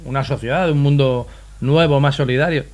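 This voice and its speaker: A male interviewer with a voice at a middle pitch hosts the conversation in a friendly, informal way. He often hesitates and repeats words as he works toward each question. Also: fairly even intonation, moderate pace, darkish tone. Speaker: interviewer host.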